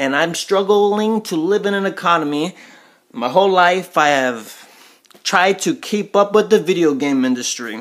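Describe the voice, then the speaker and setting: The man speaks at a high pitch. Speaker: gaming vlogger. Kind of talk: video monologue. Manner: put-on formal, over dramatic delivery; stutters, says um often.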